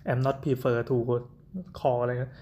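A man telling a story in casual chat, halting and full of fillers, dropping English words into his talk. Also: medium pitch, completely flat delivery, a little mellow, a little hiss or hum. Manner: rambling, many fillers, mixes in English words.

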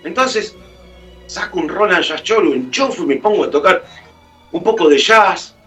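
A man's voice: sits high, animated, normal speed, a bit bright, recorded from a distance, soft background music. A man with a Rioplatense Spanish accent, a guest musician in an interview, telling a heartfelt story and acting out the dialogue. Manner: heartfelt, acts out quoted dialogue.

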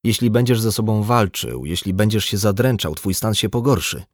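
A man voicing a blunt, embittered, drunk male doctor in an audiobook, gruff and lecturing. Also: on the low side, animated, normal speed, dry recording, studio quality. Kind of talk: audiobook dialogue.

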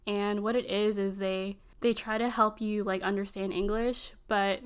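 A woman's voice: mid-range voice, fairly even intonation, clean tone. A woman in her early twenties, a native Filipino speaker who grew up in Virginia, rambling casually and filling her talk with "like". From Virginia, United States. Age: early 20s. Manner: rambling, fills every pause with "like". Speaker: conversation partner. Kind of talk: casual chat.

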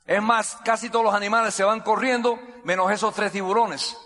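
Bright high-voiced man, echoey hall. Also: steady tone, brisk. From United States. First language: English. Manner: repeats key phrases, vivid gestures, builds suspense. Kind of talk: dramatic storytelling speech.

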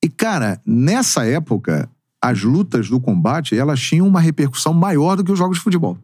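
A man in his forties, a sports narrator, chatting as a podcast guest in an expressive, talkative storytelling way with casual slang. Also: on the high side, a little fast, no room sound, clean studio sound. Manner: expressive storyteller with emphatic, swooping delivery. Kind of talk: casual interview chat.

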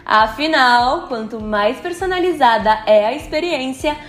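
A woman with a high voice and a Brazilian Portuguese accent delivers scripted podcast tips in a cheerful, teacherly manner. She slips in playful asides between points. Clear background music runs under her voice. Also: lively intonation, unhurried. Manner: upbeat, didactic, playful asides. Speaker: podcast host giving customer-service tips. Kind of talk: scripted educational podcast narration.

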